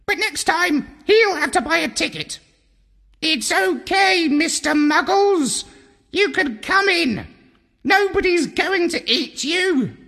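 A man's voice: very high-pitched, expressive, slow pace, vocal fry, pushed and bright, long reverb tail, voice pushed up, full character voice. A man voicing a bossy, brainy male parrot with a squawky voice in a children's storybook. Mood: conceding.

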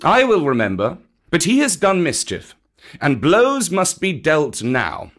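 Man acting a stern, swooping, high-pitched black panther. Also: huge pitch swings, unhurried, a bit bright, exaggerated voice. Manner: emphatic, scolding. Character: stern, aggrieved black panther, proud male. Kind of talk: dramatic storybook character acting.

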